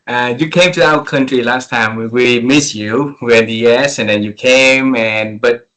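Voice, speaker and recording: A man's voice: mid-range voice, fairly even intonation, moderate pace, fairly bright tone, low-quality recording. A man in his forties with a Vietnamese accent, hosting a conversational interview in an effusive, courteous manner. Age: 40s. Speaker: interview host.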